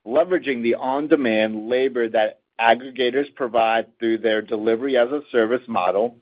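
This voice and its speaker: A man delivers prepared financial results in a measured, formal reading. His voice sits at an ordinary middle pitch. The conference-call audio is slightly dull and muffled. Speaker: finance executive. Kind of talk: scripted earnings call remarks.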